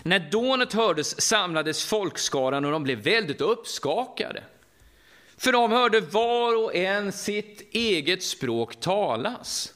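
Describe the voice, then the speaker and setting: A middle-aged Swedish man with a Västergötland accent, preaching a lively, conversational sermon and often asking the audience questions. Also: high-pitched. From Sweden, Västergötland.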